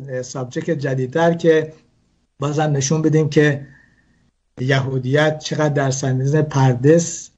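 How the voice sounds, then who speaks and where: Husky higher-pitched man explaining. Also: darkish tone, lo-fi sound. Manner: hesitant, many fillers and restarts. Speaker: guest speaker on Jewish customs. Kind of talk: explanatory talk show chat.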